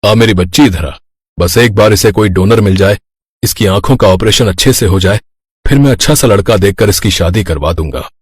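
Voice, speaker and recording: A man's voice: fairly low pitch, brisk, breathy edge, dry recording. A man voicing a kindly, worried elderly rich father in a cartoon story, affectionate and fretful. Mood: fond, worried.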